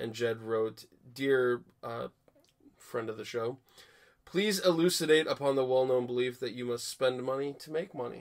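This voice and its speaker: Moderate-paced speech from a man, an ordinary speaking voice of medium pitch with ordinary pitch variation. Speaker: podcast co-host. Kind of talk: casual chat.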